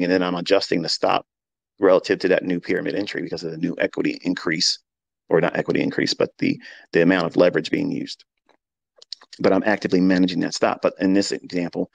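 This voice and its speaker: A man with a low, gravelly voice teaches traders in a live audio-room session. He talks earnestly and repeats himself for emphasis, with a dry, close sound and no room around him. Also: no room sound. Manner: earnest, repetitive coaching with spoken asides. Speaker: trading mentor. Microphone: home microphone on a live audio stream.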